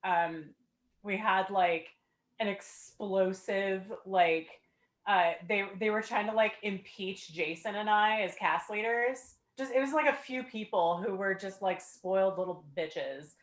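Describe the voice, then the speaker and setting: Echoey video call, woman just chatting, says like a lot, sweary, middle pitch. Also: unhurried. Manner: informal, sweary, heavy use of "like". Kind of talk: casual chat, recounting anecdotes. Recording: roomy, echoing video-call sound.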